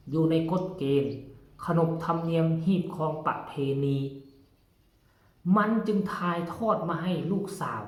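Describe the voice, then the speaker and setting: Lao man giving preachy vlog commentary. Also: fairly high pitch. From Laos. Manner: folksy and preachy, lecturing viewers on values. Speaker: vlogger addressing fans. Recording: roomy echo.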